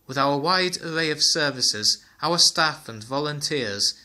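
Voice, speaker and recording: A young man reading scripted promotional narration as a commercial voice-over, with a dramatic, deliberate delivery. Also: fairly high pitch, expressive, pushed and bright, dry recording.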